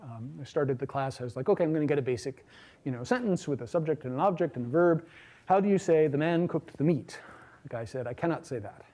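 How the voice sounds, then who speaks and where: A middle-aged man giving a university lecture in a large hall, talking in a relaxed, chatty way with many fillers and asides. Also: fairly high pitch, fast. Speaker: linguistics lecturer.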